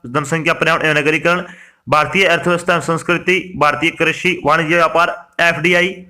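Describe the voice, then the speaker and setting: A man's voice: fairly high pitch, fairly even intonation, a little fast, sharp tone. A man from India giving an instructional explainer, reading out lists and addressing listeners directly. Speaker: exam information presenter.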